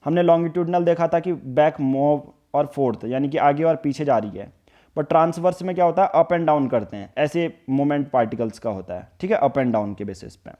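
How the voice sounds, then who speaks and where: A man teaching an exam-prep science lesson with a Hindi accent, explaining step by step, mixing in English phrases, and reading English definitions out slowly. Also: fairly high pitch, dull audio. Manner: mixes English phrases into explanation, repeats "ठीक है" often. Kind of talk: explaining at a whiteboard.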